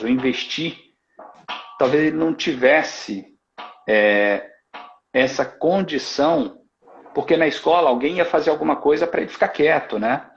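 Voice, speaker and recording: Gravelly Brazilian man, reflective storyteller. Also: mid-range voice. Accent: Brazilian Portuguese. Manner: reflective storytelling, many tag questions. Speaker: host. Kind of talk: casual live-stream chat. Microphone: video call. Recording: dull lo-fi live-stream audio.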